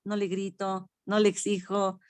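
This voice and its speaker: A woman's voice: medium pitch, completely flat delivery, measured pace, smooth, no echo, clean studio sound. An older woman with a Mexican accent, sharing a personal spiritual testimony in a frank, self-deprecating way and laughing often. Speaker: study group participant.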